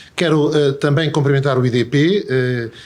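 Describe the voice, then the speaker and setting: Somewhat breathy, a man speaks at a moderate pace with ordinary pitch variation in a European Portuguese accent. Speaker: law professor. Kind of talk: lecture. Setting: auditorium at a seminar. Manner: formal; hesitant with fillers.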